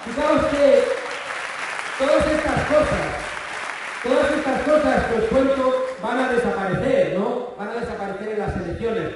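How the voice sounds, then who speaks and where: High-pitched Spanish man speaking at a rally. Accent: Spain. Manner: sarcastic, joke-telling, addresses crowd directly. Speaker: political speaker. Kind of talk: rally speech. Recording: echoey hall, distant mic, faint crowd.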